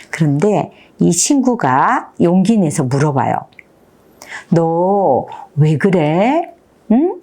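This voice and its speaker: A woman in her fifties with a fairly low voice walks listeners through a picture book, her pitch swinging widely as she tells it. She talks like a teacher, pausing to put questions to the audience. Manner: animated storytelling, asks the audience questions.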